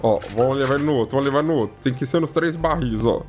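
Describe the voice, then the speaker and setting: A man giving casual, excitable commentary as he plays a video game, constantly calling out to his viewers. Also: fast talker, music in the background. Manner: chatty, repeats "ó" and "galera" constantly; lively and excitable, jumps in pitch when surprised. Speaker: gaming YouTuber.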